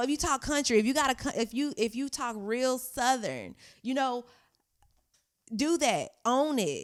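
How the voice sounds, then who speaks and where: A woman's high-pitched voice with an American accent, ordinary pitch variation and a moderate pace, in a very clean recording with a silent background. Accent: Dallas Oak Cliff accent, sometimes masked. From Texas, Oak Cliff (Dallas). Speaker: podcast host, mother. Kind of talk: motivational podcast monologue. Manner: animated, repetitive false starts; code-switching, polished delivery.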